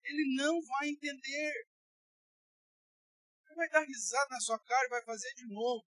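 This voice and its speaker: A man's voice: very high voice, steady tone, normal speed, bright, forceful tone, dry recording. A man with a Brazilian Portuguese accent, a pastor giving an emphatic, colloquial sermon and speaking bluntly to his listeners. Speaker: pastor teaching a Bible study.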